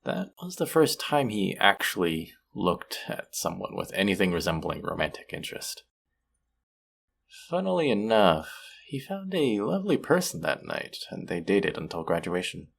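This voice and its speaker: A man acting as a friendly young guy in an intimate audio drama. His voice sits very low, with a gravelly, husky grain. He talks gently and conversationally, sometimes hesitating, like someone sympathetic getting to know a new acquaintance. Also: sing-song, normal speed, full character voice. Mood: reflective. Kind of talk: intimate one-sided audio roleplay acting.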